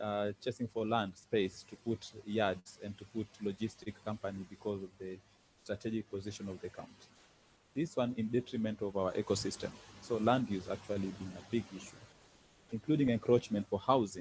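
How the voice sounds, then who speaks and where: A man speaks at a fairly low pitch and a moderate pace, somewhat breathy and with fairly even intonation. His loudness swings in a big way. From Kenya, Mombasa coast. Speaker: environmental advocate. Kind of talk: panel talk.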